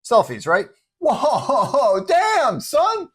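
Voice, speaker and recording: Excited male street fans of a superhero, whooping in slangy shouts. The voice jumps far up in pitch and gets loud, like a cartoonish bystander. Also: drawn-out words, husky, heavily acted. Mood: cheering.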